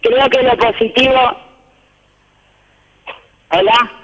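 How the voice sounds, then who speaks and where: A woman speaking calmly as a guest over a choppy phone line that keeps breaking up, talking in measured phrases with restarts. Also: a little high, in a large hall. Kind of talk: live phone interview.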